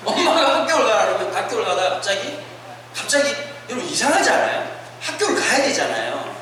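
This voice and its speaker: A man in his forties preaches at a retreat, telling comic stories from his childhood. His voice sits high and swings widely in pitch. It comes from a distance in a hall with heavy echo. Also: fast. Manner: animated, humorous storytelling with acted-out quotes. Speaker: pastor. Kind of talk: sermon at a winter retreat, storytelling. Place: church hall. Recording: echoey hall recording from far off, noisy. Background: audience laughter.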